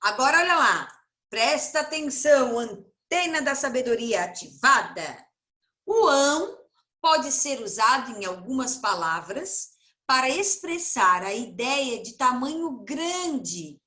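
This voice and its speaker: A Brazilian woman teaching young children in an online class, playful and sing-song, stretching words out slowly. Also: high-pitched, reverberant. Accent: Brazilian Portuguese. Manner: animated, drawn-out sing-song word stretching; playful, addresses pupils affectionately. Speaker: primary school teacher. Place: home, room with echo.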